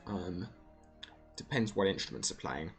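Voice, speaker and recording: A man's voice: low voice, animated, measured pace, faint music behind. A man streaming a video game, thinking aloud in a casual, rambling way with many fillers. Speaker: gaming streamer. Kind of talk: casual gameplay commentary.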